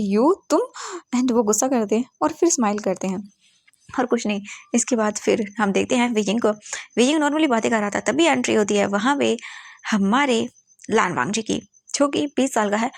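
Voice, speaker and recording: A woman's voice: fairly high pitch, vocal fry, no room sound. A woman casually retelling a fan fiction story in a chatty way.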